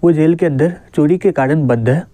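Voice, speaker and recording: A man voicing a shrewd, fatherly male police captain in a calm, reassuring way, in a manga recap. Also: fairly high pitch, normal speed, no echo, close to an everyday voice.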